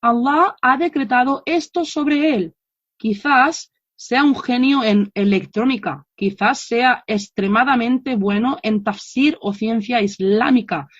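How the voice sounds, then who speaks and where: A woman relaying a religious lecture in an informal lesson, halting often and restarting her words as she explains. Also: on the high side, no echo. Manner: halting, many restarts and self-corrections. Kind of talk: informal Islamic study lesson. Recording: dull lo-fi dry recording.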